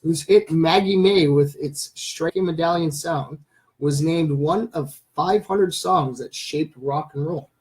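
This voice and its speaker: A man's voice: fairly high pitch, measured pace, darkish tone, low-quality recording. A man in his thirties hosting a casual live stream, reading out news items with lots of ums and uhs. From Canada. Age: 30s. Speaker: livestream host.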